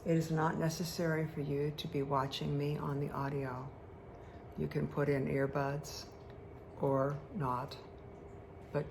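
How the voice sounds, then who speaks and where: Slow, low-creaking woman guiding meditation. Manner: slow, deliberate, soothing, with long pauses. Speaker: guided meditation leader. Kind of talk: guided meditation, hypnotic relaxation. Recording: clear steady background noise.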